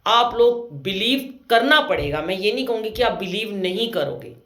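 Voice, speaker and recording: A woman's voice: medium pitch, lively intonation, moderate pace, fairly bright tone. Chatty woman telling a devotional story. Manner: chatty, fillers, acts out family dialogue. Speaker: satsang storyteller. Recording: roomy echo.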